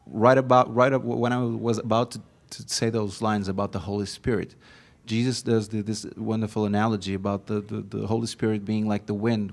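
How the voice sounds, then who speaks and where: A man from Portugal, an actor recalling his film work earnestly at a panel, often restarting his sentences. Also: on the low side. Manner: earnest, halting with many restarts. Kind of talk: casual recollection at a panel.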